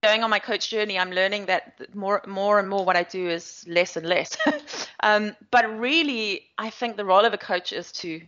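Speaking at an ordinary pace with a medium pitch and fairly bright tone, a woman with a South African accent answers as an agile coach. She's chatty and explanatory, her long interview replies full of fillers. The sound is slightly dull.

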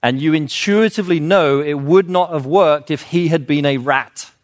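A man's voice: on the high side, normal speed, no echo, studio quality. A man giving an informal, earnest lecture, explaining with fillers and restarts and growing emphatic on his key points. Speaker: speaker on children's literature.

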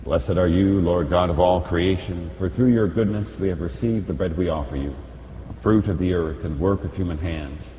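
A man speaking as a priest at Mass, reciting solemn liturgical prayers in a formal, measured way, at times chanting, in an echoing church. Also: sits low, mellow. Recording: echoey church, long reverb, background noise.

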